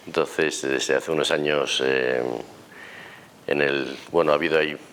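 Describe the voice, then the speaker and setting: In a Madrid accent, a man speaks at a moderate pace with very even loudness. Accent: Castilian Spanish (Madrid). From Spain, Madrid. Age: 60s. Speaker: photographer. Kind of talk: testimony. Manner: conversational, with fillers and self-corrections.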